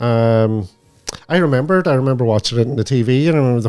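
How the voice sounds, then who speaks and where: A very fast delivery in a Northern Irish accent, with ordinary pitch variation. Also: man. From Northern Ireland. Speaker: podcast host. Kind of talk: casual chat.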